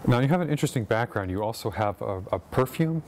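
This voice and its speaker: A man's voice: medium pitch, animated, fast, background noise. A man hosting a talk show, asking a guest long, rambling questions. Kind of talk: interviewing a guest.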